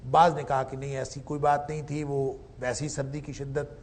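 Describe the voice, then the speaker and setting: A man teaching Quran commentary in a lecture, slowly reciting Arabic verses and then explaining them with rising emphasis. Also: medium pitch, little pitch movement, a little mellow, slight background noise.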